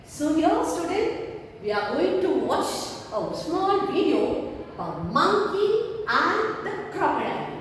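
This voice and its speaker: A woman's voice: very high-pitched, sing-song, slow. A woman teacher leading a value-education lesson for young children, asking lots of coaxing questions. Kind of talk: online class storytelling lesson. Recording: echoey room, mic far off, faint noise.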